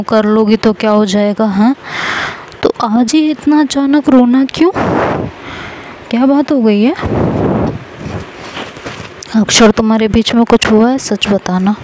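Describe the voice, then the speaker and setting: A woman's voice: on the high side, mellow, a little hiss or hum, lightly acted, low-quality recording. A woman storyteller voicing a teasing, doting middle-aged mother-in-law who scolds and then fusses. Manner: scolding then fussing, affectionate.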